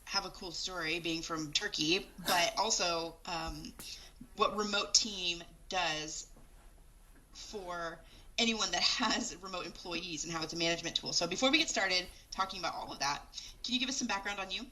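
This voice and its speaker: Female podcast host, sharp bright tone, enthusiastic interviewer. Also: fairly low pitch, normal speed, low-quality recording. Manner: upbeat, friendly interviewer.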